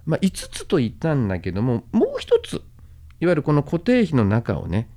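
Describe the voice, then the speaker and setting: A man's voice: a little high, huge pitch swings, moderate pace, mellow. A man hosting a podcast lecture, explaining things casually to listeners and encouraging them, padding his talk with fillers and tag endings. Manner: casual, with many fillers and sentence-final tags. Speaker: host and medical management lecturer.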